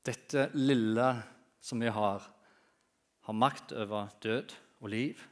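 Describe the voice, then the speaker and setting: Animated male preacher telling stories. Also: medium pitch. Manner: animated storytelling, swinging from loud to quiet. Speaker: guest preacher. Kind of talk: sermon with humorous anecdotes.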